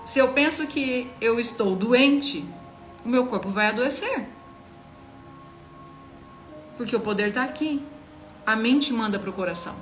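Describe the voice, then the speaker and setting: A woman's voice: a little high, moderate pace, faint music behind. A woman in her thirties with a Brazilian Portuguese accent, giving an earnest, emphatic devotional teaching and speaking straight to the listener.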